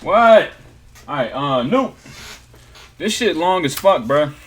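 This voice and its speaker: A man's voice: fairly high pitch, sing-song, a little slow, slight background noise. A man hosting a reaction video, giving blunt, profane running commentary. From United States.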